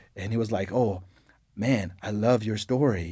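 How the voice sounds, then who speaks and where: This man speaks with a French accent at a moderate pace, his pitch fairly low and his tone dark and mellow. The recording is very clean, with a silent background. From France, Paris. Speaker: comic book writer. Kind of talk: interview. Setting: studio.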